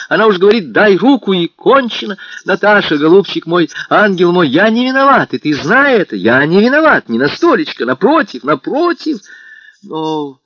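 A man reading aloud and voicing an eager, excitable young man who insists on his innocence in a rushing, breathless way. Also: high-pitched, dry recording, voice pushed up, full character voice. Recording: dull, slightly muffled, dry.

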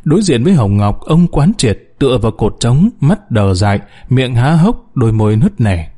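A man narrating an audiobook story in a dramatic, expressive way. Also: mid-range voice, moderate pace, husky.

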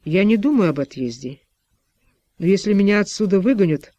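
A reserved, weary doctor answers in curt, guarded sentences, as a man reading the story voices him. The voice is fairly high for a man. The recording is dry and a little dull. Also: expressive, fairly quick, mellow, no echo.

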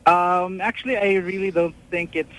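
A man's voice: high-pitched, fairly even intonation, moderate pace, a bit bright, poor audio. A man calling in to a radio show who speaks hesitantly, full of restarts. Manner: hesitant, many fillers and restarts. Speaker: caller. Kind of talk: phone-in chat.

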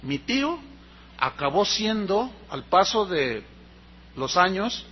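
A Mexican man preaching a sermon, telling a personal story and acting out the dialogue with lively energy. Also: high-pitched, takes it slowly, husky, dull audio. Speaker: pastor.

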